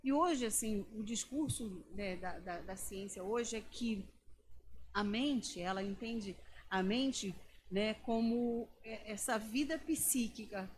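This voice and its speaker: A woman's voice: mid-range voice, takes it slowly, slight background noise. A woman preaching a sermon in a conversational, storytelling way, often adding tag questions.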